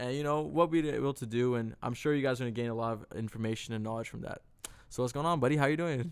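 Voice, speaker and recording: A man's medium-pitched voice at a very fast pace with ordinary pitch variation. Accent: American. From Los Angeles. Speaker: podcast host, entrepreneur. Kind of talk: casual podcast interview.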